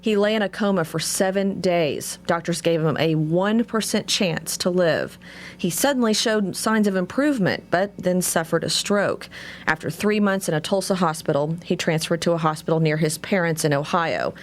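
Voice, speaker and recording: A woman's voice: lowish voice, normal speed, a little hiss or hum. A woman working as a television news reporter, delivering scripted narration and questions for a human-interest story.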